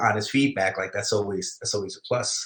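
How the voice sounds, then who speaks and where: Here a man talks with a New York accent. His pitch is medium. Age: 30s. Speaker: writer and livestreamer. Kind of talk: live writing stream chat. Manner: halting, many repeated words and fillers.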